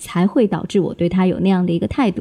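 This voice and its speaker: A woman with a dark, mellow tone speaks at a medium pitch with ordinary pitch variation. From Jiangsu, China. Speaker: Japanese-language content creator. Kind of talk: casual chat. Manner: gentle, soft-spoken.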